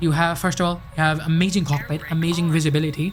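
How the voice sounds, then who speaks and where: The speaker talks at a very fast pace. Music plays in the background. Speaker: gaming commentator. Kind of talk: gameplay commentary voiceover.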